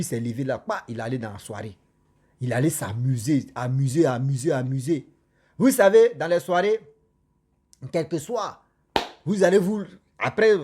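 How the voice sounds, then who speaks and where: A man telling a spooky cautionary tale in casual spoken French, animated and repetitive, speaking straight to his listeners. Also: a little high. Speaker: storyteller.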